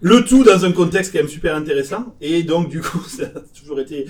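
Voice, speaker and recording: A man's voice: a little high, fairly quick, far from the mic. Joking man with a northern French accent. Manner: animated joking storyteller. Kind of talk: casual chat.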